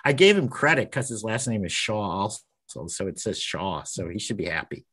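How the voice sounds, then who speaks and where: A man talking shop as a cartoonist host in a loose, casual chat. His humor is dry, and he teases his co-host with deadpan jabs. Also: fairly low pitch, normal speed. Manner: dry, joking, teasing.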